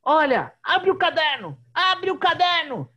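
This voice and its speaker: A man imitating a bossy little girl who plays schoolteacher and shouts orders, with a Brazilian Portuguese accent. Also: very high-pitched, big pitch swings, measured pace, voice pushed up, heavily acted. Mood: bossy shouting. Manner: shouting orders, repeating herself. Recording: dull lo-fi video call audio.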